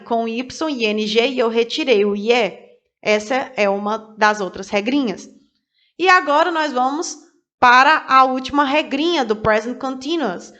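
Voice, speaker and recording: A woman's voice: on the high side, a bit bright, dull audio. A woman teaching a video lesson, explaining step by step, asking and answering her own questions and spelling out letters one by one. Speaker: English teacher.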